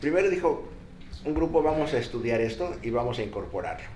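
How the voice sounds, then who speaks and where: A man's voice: mid-range voice, expressive, quick pace, darkish tone. An older man with a Mexican accent, explaining things as a guest expert in a colloquial way. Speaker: guest expert, doctor and professor. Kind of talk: explanatory panel discussion. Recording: echoey room with faint noise.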